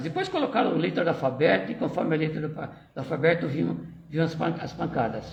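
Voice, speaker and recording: A man's fairly high voice with very wide pitch swings, amid noticeable background noise and audible room echo. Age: 60s. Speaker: spiritist lecturer. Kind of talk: lecture.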